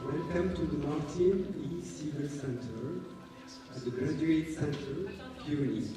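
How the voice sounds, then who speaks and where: Slow-speaking man in an echoing hall. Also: on the high side. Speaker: co-adapter introducing a staged reading. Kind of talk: formal welcome speech to a live audience. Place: large indoor hall at a public event. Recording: echoey hall, distant mic, music behind.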